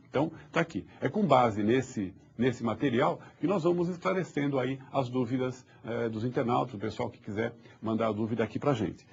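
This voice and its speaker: A man's voice: mid-range voice, darkish tone, breathy edge. A man giving a patient, explanatory lecture on spelling, repeating points and checking that listeners follow. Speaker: author giving a talk on spelling reform. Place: publisher's studio. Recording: dull muffled lo-fi sound.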